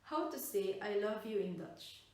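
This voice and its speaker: Slow-speaking woman in an echoey room. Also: medium pitch, lively intonation, recorded from a distance. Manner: slow, careful, repeats phrases with English translations. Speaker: language teacher. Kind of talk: slow beginner language lesson.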